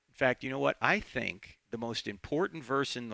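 This man's voice has a bright, sharp tone with vocal fry and ordinary pitch variation, delivered at a fairly quick pace. The sound is dry and close with no echo, on a very clean recording with a silent background. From New Jersey. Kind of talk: radio talk show monologue. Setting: radio studio.

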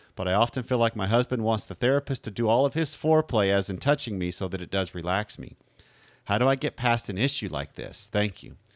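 Speaking very fast with lively intonation, a man uses a fairly low pitch. The recording is very clean, with a silent background and a dry, close sound with no echo. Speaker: podcast host, therapist. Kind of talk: casual chat. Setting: studio.

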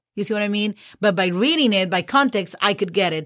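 Lively intonation marks this woman's medium-pitched voice. Her pace is moderate, and the recording is very clean with a silent background. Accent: Mexican. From Mexico. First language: Spanish. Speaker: Spanish teacher, podcast host. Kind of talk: lesson, language tutorial. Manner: friendly, upbeat.

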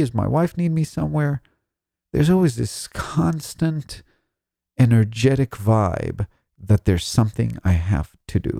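Recorded dry and close with no echo on a very clean track with a silent background, a man speaks in a dark, mellow tone with very wide pitch swings. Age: 40s. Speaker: podcast host, Kabbalah teacher. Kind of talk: spiritual monologue.

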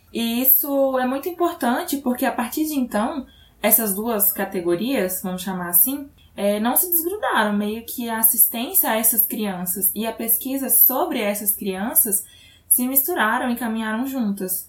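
A woman's fairly high voice at a moderate pace, with lively intonation and noticeable background noise. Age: 20s. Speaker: anthropology student researcher. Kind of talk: podcast interview.

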